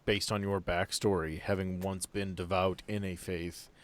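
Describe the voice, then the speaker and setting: A man narrating a tabletop game as game master, explaining scenes in a halting, improvised way. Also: low voice, little pitch movement.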